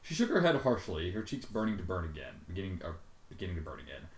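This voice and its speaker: A man giving a dramatic reading with exasperated, sweary commentary and sudden loud outbursts. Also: deep voice, sing-song, quick pace, reverberant, poor audio. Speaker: fan fiction reader and commentator.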